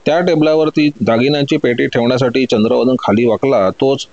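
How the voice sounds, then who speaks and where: A man narrating a story in a steady, measured scripted delivery. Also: medium pitch, no echo, muffled recording.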